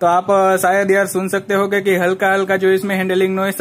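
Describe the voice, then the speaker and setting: Music plays in the background as a man talks at a moderate pace. His high voice stays monotone and flat. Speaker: audio gear reviewer. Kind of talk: tutorial. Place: workshop. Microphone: phone near.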